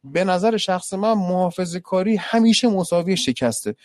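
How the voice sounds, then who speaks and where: A man's voice: sits high, animated, no room sound, studio quality. A man analysing football on a live stream, reading viewer questions and giving blunt, opinionated answers.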